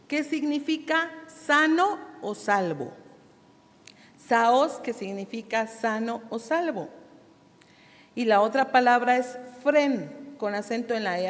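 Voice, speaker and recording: A woman with a Mexican Spanish accent gives a sermon at a women's meeting, her voice set high and her delivery slow and deliberate. She keeps checking in with the listeners through questions and laughs easily between points. The recording carries the long reverb of a church hall. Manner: asks the audience frequent questions. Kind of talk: sermon teaching.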